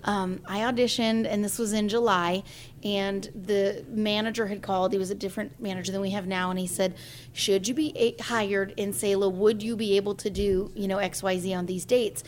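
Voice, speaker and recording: A woman in her forties talks through a personal story in a relaxed interview, with a voice of ordinary pitch. She brings the tale to life by acting out the people she quotes. It sounds like a singer chatting with friends. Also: normal speed. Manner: lively storyteller who acts out quoted voices.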